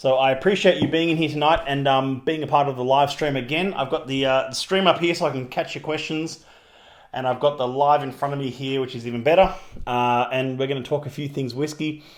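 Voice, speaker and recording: This man has a fairly high pitch. He talks at a fairly quick pace. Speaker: whisky brand ambassador. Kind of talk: live stream chat. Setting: office. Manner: loud; animated.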